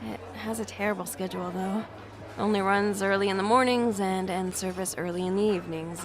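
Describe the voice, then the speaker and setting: A woman's voice: mid-range voice, fairly even intonation, fairly quick, lightly acted. An actress playing an overworked, contented homebody in her twenties, speaking in a hesitant, understated way in a naturalistic audio drama. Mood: casual, content. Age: 20s. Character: twenty-six-year-old overworked woman, homebody, contented and cautious.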